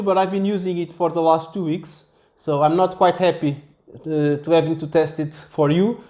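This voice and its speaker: A man, explaining a product in a casual, halting demonstration style. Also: a little high, warm tone. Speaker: product reviewer. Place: small office, indoors.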